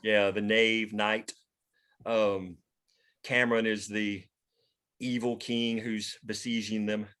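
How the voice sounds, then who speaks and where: A man's voice: on the low side, little pitch movement, takes it slowly, long pauses, fairly bright tone, clean tone. Casual man chatting on a group call. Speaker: show co-creator leading a table read meeting. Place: online video call.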